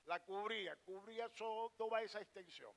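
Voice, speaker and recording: A preacher with a high voice for a man, delivering a sermon. He throws questions at his listeners and answers them, restarting and hammering each point. Now and then he stops to call on a reader for the next verse. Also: normal speed, vocal fry. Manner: asks the congregation rhetorical questions and answers them himself; directs a scripture reader between points.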